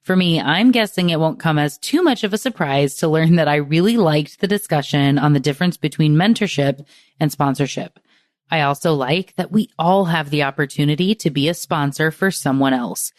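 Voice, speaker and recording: A woman's voice: sits low, normal speed, no echo, clean studio sound. A woman hosting a podcast, upbeat and encouraging, closing the show with a scripted wrap-up. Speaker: podcast host.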